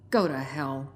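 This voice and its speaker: A woman's voice: very deep voice, full character voice. An actress playing a weary but defiant captive mother, curt and guarded, in an audio drama. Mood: bitter, defiant.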